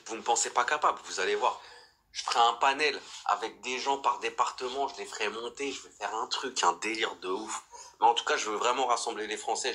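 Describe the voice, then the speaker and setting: Young french guy ranting on his livestream, bright forceful voice, keeps restarting, lots of euh. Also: lowish voice. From France. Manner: fired-up, rambling, many restarts and fillers. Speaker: livestream host. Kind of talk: casual livestream chat.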